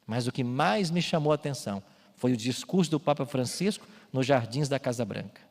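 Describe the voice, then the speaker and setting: A man preaching a sermon as a pastor in a church, speaking emphatically and building to loud calls. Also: medium pitch, expressive, brisk. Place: church with baptismal tank. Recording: long hall reverb, faint music.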